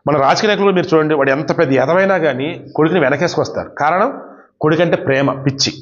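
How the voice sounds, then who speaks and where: A man with a high, light voice tells an old devotional epic, reading a passage and then breaking it down in casual spoken terms. The recording is dull and lo-fi. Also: quick pace. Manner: reads verses then explains them in everyday speech. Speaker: devotional storyteller. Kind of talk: retelling an epic with casual commentary.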